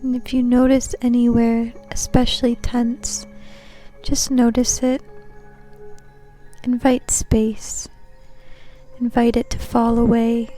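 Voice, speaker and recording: A woman leading a guided meditation in a soothing, gentle, unhurried manner. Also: on the high side, completely flat delivery. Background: soft background music.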